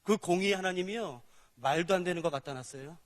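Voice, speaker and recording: A man's voice: high-pitched, fast, big-room sound. A male pastor preaching a sermon, animatedly acting out dialogues between God and sinners.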